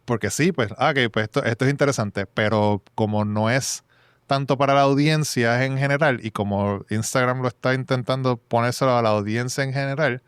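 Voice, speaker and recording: A man co-hosting a podcast in a relaxed, conversational way. His comes through, and his voice is smooth and clear at a medium pitch. He often restarts his sentences while thinking aloud, recorded close and dry. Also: normal speed, dry recording. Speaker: podcast co-host. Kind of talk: casual conversational podcast chat.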